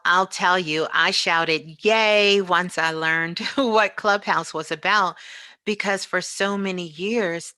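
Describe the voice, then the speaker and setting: Woman, middle-aged, slightly low register, forceful delivery; emphatic, conversational radio-host type giving an interview. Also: no room sound. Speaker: guest, online radio show host. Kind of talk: casual spiritual interview talk.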